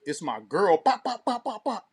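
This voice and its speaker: A man co-hosting a casual radio talk show, talking in slangy, profane, animated banter and storytelling. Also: high-pitched, normal speed, breathy edge.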